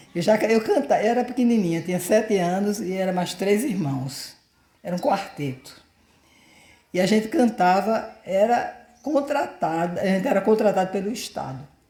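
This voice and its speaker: Lively intonation carries through the speech, and audible room echo surrounds it. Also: woman, medium pitch for a woman. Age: old. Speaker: church women's teacher. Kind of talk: sermon. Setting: women's church retreat. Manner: slow; halting, repeats words.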